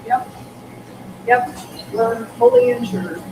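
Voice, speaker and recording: A woman who works at a shelter agency, answering questions at a community meeting in a loud, animated way that often restarts mid-sentence. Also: a little high, slow pace. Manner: animated, self-interrupting answers. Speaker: shelter program staff. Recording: distant mic with background noise.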